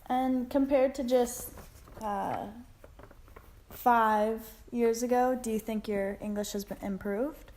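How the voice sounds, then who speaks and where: A woman's voice: on the high side, fairly even intonation, takes it slowly, a little mellow. A woman interviewing someone, asking short, direct follow-up questions.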